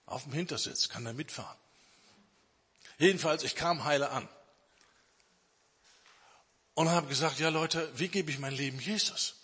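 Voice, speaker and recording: Husky guy preaching, forceful and emphatic, drags words out slow, big echoey hall. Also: fairly high pitch. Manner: emphatic, with slow drawn-out phrases. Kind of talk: sermon testimony. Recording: long hall reverb.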